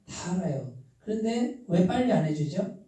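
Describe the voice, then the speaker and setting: A man pastor preaches to his congregation in a church sanctuary, asking them questions often and waiting to hear back. His high-pitched, mellow voice has lively intonation at a normal speed. The sound is very echoey, with the mic far away.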